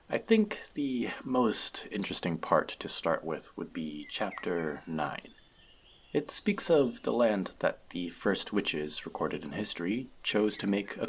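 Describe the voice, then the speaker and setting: A man's voice: deep voice, very animated, measured pace, breathy edge, exaggerated voice. A man playing an earnest, bookish elf outcast in an audio roleplay, confiding in a friend in a hesitant, self-doubting way. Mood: eager, sharing. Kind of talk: scripted audio roleplay addressed to the listener.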